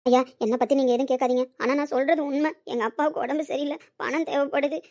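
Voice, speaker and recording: A woman's voice: sits high, fairly even intonation, fast, darkish tone, lightly acted. A woman voicing a desperate young woman who pleads urgently for money in an amateur audio drama. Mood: pleading.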